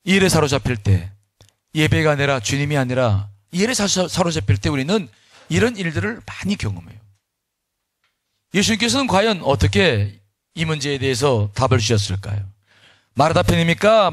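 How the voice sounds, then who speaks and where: A male pastor preaching a sermon, telling the story animatedly with dramatic pauses and frequent restarts. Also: fairly high pitch, dry recording, clean studio sound.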